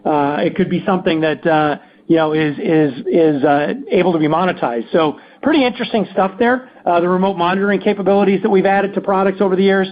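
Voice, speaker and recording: A man speaking as a company executive answering questions on an earnings call, halting and often restarting his phrases. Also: high voice, highs cut off. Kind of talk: unscripted business Q&A on an earnings call.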